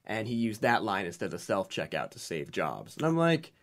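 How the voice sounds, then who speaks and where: A man's voice: on the low side, big pitch swings, moderate pace. A man co-hosting a podcast, cracking playful jokes in casual chat. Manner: wisecracking, playful. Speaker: podcast co-host.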